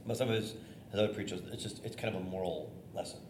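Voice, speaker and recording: Energetic bishop teaching preaching, echoey room. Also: male voice, fairly low pitch, quick pace. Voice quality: loud voice, theater-trained. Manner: conversational, energetic, with fillers and restarts. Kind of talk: informal teaching talk on preaching. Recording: echoey room, faint noise.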